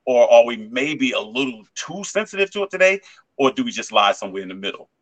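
A man's voice: medium pitch, expressive, fast, a bit bright. A man co-hosting a casual podcast, thinking aloud and asking broad questions.

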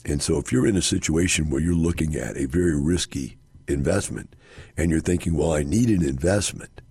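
A hoarse, middle-aged man hosts a radio show, his voice extremely low and husky from overuse. He talks casually and rambles, leaning on fillers and restarts. The studio sound is dry and close. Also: brisk, warm tone, no room sound. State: hoarse, scratchy voice. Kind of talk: casual radio talk on investing.

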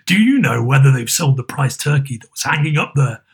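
A man's voice: mid-range voice, very animated, a little fast, vocal fry, husky, heavily acted. A man voicing an elderly miser turned kind, with emphatic, clipped delivery in a dramatised storybook reading. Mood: delighted, eager.

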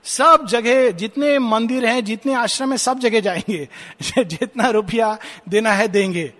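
A man, giving a reflective spiritual discourse and slowly reading English verse aloud. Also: very high-pitched, a bit bright. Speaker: spiritual speaker. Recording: long hall reverb.

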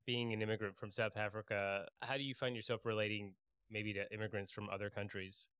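Male interviewer, clear resonant voice, measured delivery, very dry recording. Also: lowish voice, level tone, fairly bright tone, no echo. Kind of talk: interview questioning.

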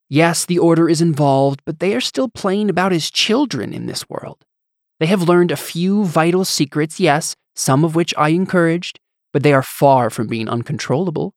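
A man's voice: on the high side, darkish tone, no room sound, studio quality, pitched above the performer's own voice, close to an everyday voice. A man voicing a sultry, scheming goddess in an audiobook, with a coaxing, condescending, theatrical manner. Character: sultry, scheming, languid goddess, vain wife. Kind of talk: audiobook character acting.

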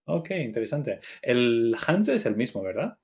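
A man on a language-learning podcast, talking in an easy conversational way. He keeps asking questions and checking each point as he goes. His pitch sits in a middle range. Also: very animated, measured pace, a little mellow. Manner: asks questions and checks understanding. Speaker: co-host of a Chinese learning podcast. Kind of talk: casual language lesson chat.

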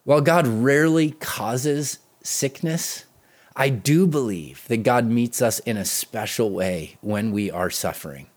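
A man reading a scripted Christian devotional as its host, speaking earnestly with deliberate emphasis. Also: mid-range voice.

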